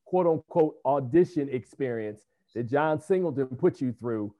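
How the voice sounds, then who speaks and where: A man's voice: medium pitch, animated, normal speed, lo-fi sound. A man hosting an interview, asking questions in a friendly, chatty way. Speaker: interview host.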